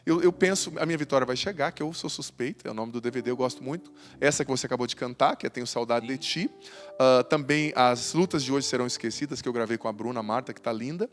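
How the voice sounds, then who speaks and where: Quick-talking hoarse priest host. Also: male voice, medium pitch. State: hoarse from a cold. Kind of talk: casual studio chat.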